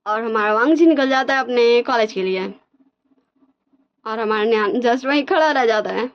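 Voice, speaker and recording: A woman's voice: on the high side, normal speed, clean tone. Chatty woman retelling a story. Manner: chatty, informal narration. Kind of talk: casual retelling of her fan fiction. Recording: dull lo-fi recording.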